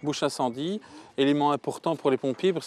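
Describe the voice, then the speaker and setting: Fairly high in pitch, a man talks at a fairly quick pace with ordinary pitch variation. The sound is dry and close, with no echo. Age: 30s. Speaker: fire officer and training coordinator. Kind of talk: interview and on-site explanation. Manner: hesitant, many fillers.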